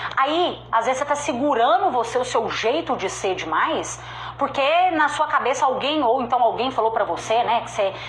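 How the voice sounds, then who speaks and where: A woman with a strong Minas Gerais accent, high pitch, lively intonation and an animated tone, against noticeable background noise. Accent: strong Minas Gerais (mineiro). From Brazil, interior of Minas Gerais. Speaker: motivational speaker, sales trainer. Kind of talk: motivational talk to an online audience. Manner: animated, expressive.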